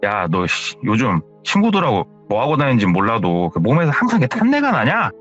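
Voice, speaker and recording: A man's voice: mid-range voice, huge pitch swings, brisk, fairly bright tone, highs cut off, soft background music. A man voicing a bossy teenage older brother who scolds and swears at his little brother, in a told horror story. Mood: scolding.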